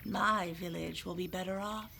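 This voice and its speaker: An actress playing a cruel elderly village elder and secret witch in an audio drama, slow, creaky and contemptuous. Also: on the low side, fairly even intonation, noisy background. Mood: gloating contempt.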